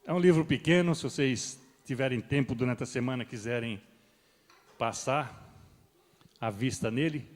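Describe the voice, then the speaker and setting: A middle-aged man preaching a sermon as pastor, swelling loud on key points and then dropping soft. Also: fairly high pitch. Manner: rises and swells with emphasis, then drops soft. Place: church hall. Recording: long reverb of a church hall.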